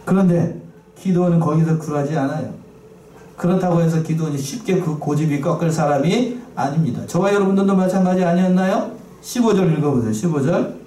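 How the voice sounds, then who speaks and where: A man's voice: fairly high pitch, a little fast, warm tone. Man, pastor, sermon, repeats phrases, asks the pews questions, distant mic, roomy church, faint hiss. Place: church sanctuary.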